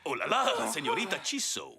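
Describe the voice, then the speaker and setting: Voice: mid-range voice, huge pitch swings, fairly quick. An actor voicing a flamboyant, pompous Spanish villain with sing-song, florid delivery in a French cartoon dub. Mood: gloating, theatrical. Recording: music behind.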